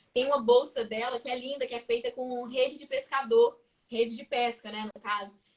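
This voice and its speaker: A woman talks at a moderate pace in a high, monotone voice with flat intonation. Her loudness swings a lot. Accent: Minas Gerais. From Minas Gerais, Brazil. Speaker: actress. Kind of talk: interview. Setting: live stream.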